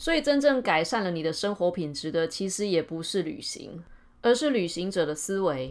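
A woman's medium-pitched voice at a moderate pace, very wide pitch swings, and a very clean recording with a silent background. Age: 30s. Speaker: podcast host and lifestyle coach. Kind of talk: solo podcast monologue.

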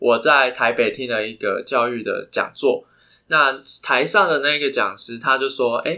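On a very clean recording against a silent background, a man talks at a moderate pace. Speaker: podcast host; university student. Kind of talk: casual chat.

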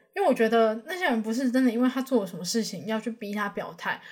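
Amid noticeable background noise, a woman in a Taiwanese accent speaks at a fairly high pitch. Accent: Taiwanese Mandarin. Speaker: podcaster. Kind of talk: casual monologue.

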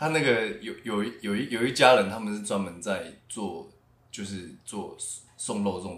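Audible room echo surrounds a man with a fairly low pitch who speaks at a fairly slow pace, with ordinary pitch variation and big swings in loudness. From northern Taiwan. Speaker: podcast co-host. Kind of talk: casual chat. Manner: animated.

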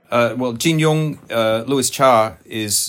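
A man with an English accent is heard on a very clean recording against a silent background. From England. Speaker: writer and publisher. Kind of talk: interview.

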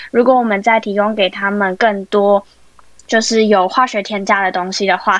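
A woman speaks in a plain, everyday voice at a medium pitch. Her pace is fairly quick, and her intonation fairly even. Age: 20s. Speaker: nonprofit founder. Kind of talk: online panel discussion. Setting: online audio chat room.

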